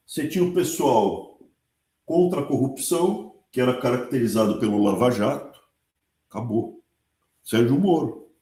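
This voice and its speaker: A man with a Brazilian Portuguese accent giving a sarcastic, lively political commentary monologue as a channel host. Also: medium pitch, normal speed. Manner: sarcastic, lively, talks with colloquial asides. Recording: echoey room.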